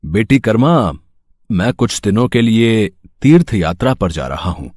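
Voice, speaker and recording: An actor playing a devout, kindly village farmer and father, speaking slowly and tenderly with a husky voice. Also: on the low side, expressive, a little mellow, no echo, studio quality. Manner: slow, tender, reverent speech. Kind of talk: dubbed devotional story acting.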